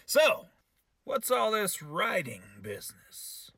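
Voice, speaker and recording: A male podcast host with a gravelly, raspy edge and a bright, forceful tone. His pitch swings in a lively way as he teases his guest with sarcastic jabs. The sound is dry and close. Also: slow, dry recording. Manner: sarcastic, mock-insulting teasing. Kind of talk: comedic host banter.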